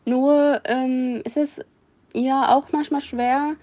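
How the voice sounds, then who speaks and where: A woman's voice: high-pitched, steady tone, slow pace, mellow, no room sound. Self-assured young Syrian woman. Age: young adult. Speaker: interviewee. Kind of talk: personal testimony to camera.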